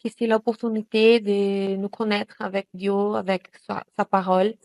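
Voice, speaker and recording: A Brazilian woman, a native Portuguese speaker, gives a hesitant testimonial in French, with many pauses and fillers. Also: mid-range voice, little pitch movement, darkish tone, no echo. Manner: hesitant, many fillers and restarts in a second language. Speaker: student giving a testimonial. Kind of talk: spontaneous testimonial.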